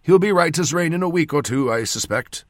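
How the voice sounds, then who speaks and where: A man voicing a reassuring old ship's surgeon in an audiobook, talking loudly and briskly to his patient. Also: fairly high pitch, expressive, no echo, studio quality, pitched above the performer's own voice, close to an everyday voice. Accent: northern. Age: older. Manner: loud, reassuring, brisk bedside talk. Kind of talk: audiobook character voice.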